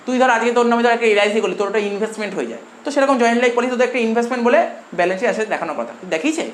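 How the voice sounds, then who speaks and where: His voice is extremely high, expressive and very fast: a man from India with a Bengali accent teaching commerce at breakneck speed. He repeats points and fires questions at students, and the echoey room carries a faint hiss of noise.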